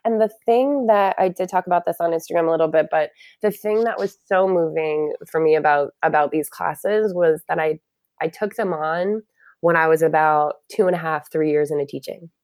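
A woman's voice: deep voice, normal speed, darkish tone, dry recording. A woman who is a guest yoga teacher, speaking candidly and bluntly in a casual conversation. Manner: candid, blunt, lots of fillers.

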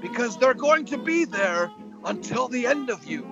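A brooding old uncle played by a man speaks of his haunted house in a creaky, fatalistic voice. The recording is dull, with music behind him. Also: extremely high pitch, expressive, moderate pace, exaggerated voice. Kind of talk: horror story dramatic reading.

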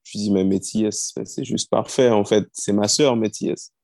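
Man, 30s, low warm voice, easygoing storyteller, dry close sound. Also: moderate pace, dry recording. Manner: storytelling, easygoing, frequent fillers. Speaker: singer-songwriter guest. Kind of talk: relaxed interview talk.

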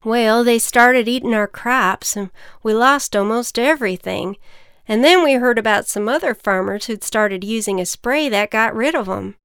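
A woman's voice: fairly high pitch, normal speed, fairly bright tone, clear, resonant tone, dry recording, clean studio sound. Woman doing a folksy country farmer man. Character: kindly country farmer man, worried father.

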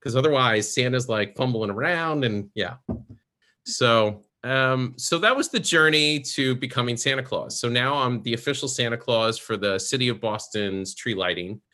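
A man telling stories about his work as a professional Santa in a podcast interview, chatty and animated. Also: mid-range voice, normal speed. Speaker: guest, professional Santa performer.

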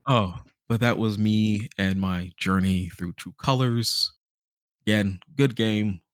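Low-voiced man chatting casually about games. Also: takes it slowly, dry recording, clean studio sound. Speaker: podcast host. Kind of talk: casual chat, game review.

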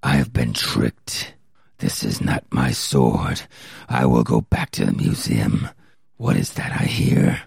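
A man's voice: rumbling low, takes it slowly, darkish tone, dry recording, studio quality, voice pushed down, full character voice. A man voicing a menacing, boastful vampire baron in a theatrical, threatening growl, as in a dramatic villain reading. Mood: brooding. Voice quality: gravelly, raspy growl. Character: menacing, boastful vampire baron, proud old-world swordsman.

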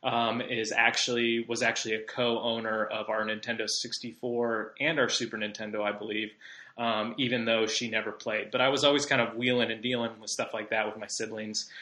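A podcast host of about thirty from Southern California delivers a chatty, rambling casual monologue full of fillers. His medium-pitched voice is brisk with a sharp tone and little pitch movement, and the recording is reverberant.

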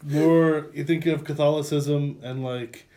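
A man's voice: on the high side, steady tone, measured pace, dark tone, a little hiss or hum. A man cohosting a casual Bible podcast, making dry teasing remarks. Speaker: co-host. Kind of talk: casual chat.

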